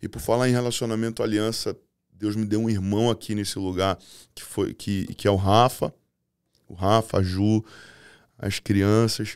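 A man with a fairly low pitch talks at a fairly slow pace in monotone, flat intonation, with long, frequent pauses over a quiet background. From Brazil, Rio de Janeiro. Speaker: church singer; podcast guest. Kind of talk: casual chat. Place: studio. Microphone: studio mic.

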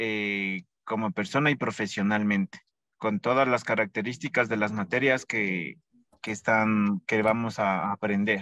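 This man has a fairly low pitch and a bright, sharp tone, speaking at a fairly slow pace with fairly even intonation. The recording is very clean with a silent background and a dry, close sound with no echo. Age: 30s. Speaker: student, salesperson. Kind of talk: testimony.

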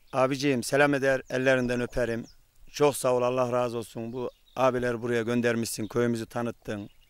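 At a fairly quick pace, a man speaks in a flat monotone, the sound dry with no echo. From Turkey. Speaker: farmer. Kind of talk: casual interview. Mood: warm, grateful greetings. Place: garden.

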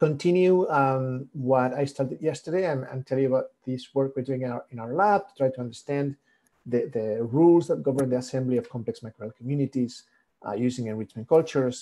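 A man's dark, mellow tone at a fairly quick pace. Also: ordinary pitch variation. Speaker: university lecturer. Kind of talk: lecture. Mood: calm, enthusiastic. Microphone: video call.

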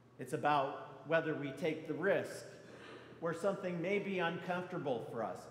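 Audible room echo and light background noise accompany a man. His pitch is fairly high and his pace moderate. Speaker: pastor. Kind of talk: sermon delivered to a congregation. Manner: casual, candid. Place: church.

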